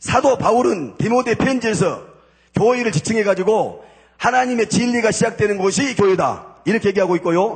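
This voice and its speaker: A man's high voice at a fairly quick pace, with very even loudness and ordinary pitch variation. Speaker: church deacon, former gangster giving testimony. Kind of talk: sermon. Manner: fast.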